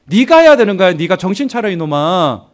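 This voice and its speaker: A man's voice: high-pitched, big pitch swings, brisk. A man putting on a sneering, taunting devil. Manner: taunting, goading. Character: sneering tempting male devil.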